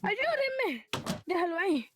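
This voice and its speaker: A person chattering excitedly in an improvised gaming roleplay with friends, full of exclamations, over online voice chat. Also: very high-pitched, slow pace, background noise.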